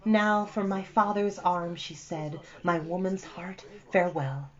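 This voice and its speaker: An effusive, dramatic young storybook schoolgirl, acted out by a woman, pitched well above the reader's natural voice. She gushes breathlessly and theatrically. The audio is slightly dull. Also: steady tone, measured pace, natural voice. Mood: dramatic, excited. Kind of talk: storybook character reading.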